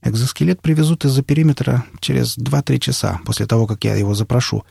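A man voicing a worried field medic who speaks in a measured, careful way in an audiobook. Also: medium pitch, steady tone, gravelly, dark tone, slightly rough, no echo, studio quality. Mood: calm, worried. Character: worried male field medic, calm-spoken.

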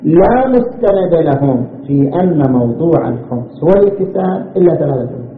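A high-voiced man teaches jurisprudence, working through each point and asking himself rhetorical questions. The sound is thin and phone-like, with echo and a faint hiss behind it. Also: expressive, brisk. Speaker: religious scholar teaching jurisprudence. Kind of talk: seminary lecture. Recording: tinny, echoey lecture recording with faint noise.

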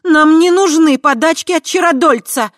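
A reader voicing a young red-haired sorceress who talks in a high, emotional, insistent way. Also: female voice, moderate pace, no echo, clean studio sound, natural voice. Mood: indignant.

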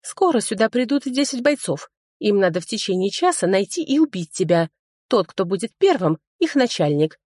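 A woman voicing a tiny, hot-tempered female fairy who squeals and shouts in a storybook reading. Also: mid-range voice, very animated, moderate pace, husky, no echo, studio quality, pitched above the performer's own voice. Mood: reporting.

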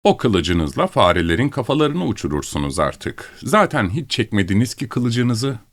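A man's voice: mid-range voice, big pitch swings, moderate pace, no echo, pitched above the performer's own voice. A man voicing a mocking, insolent dead young man in an audiobook, talking with a taunting sneer. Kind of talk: audiobook character reading.

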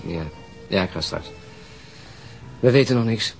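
An actor playing an exhausted, gloomy police detective, speaking in a terse, halting way in a radio drama. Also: male voice, lively intonation, vocal fry, faint music behind. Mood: weary, matter-of-fact. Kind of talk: naturalistic radio drama acting. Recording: noisy radio drama recording with rumble.

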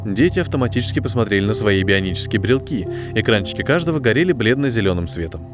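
A man narrating a science fiction story in an audiobook, with expressive, scripted delivery. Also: fairly low pitch, fast talker. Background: background music.

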